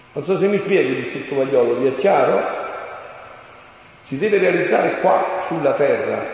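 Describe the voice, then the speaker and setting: A southern Italian priest gives a catechesis talk to a group, his voice sitting a little high. He rambles and keeps asking his listeners whether they follow. The sound is dull and lo-fi, with heavy echo and a long reverb tail in a big hall. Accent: southern Italian (Campanian). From Irpinia, Campania, Italy. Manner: chatty, digressive, with frequent "no?" and "eh?" checks to listeners. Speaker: priest and exorcist.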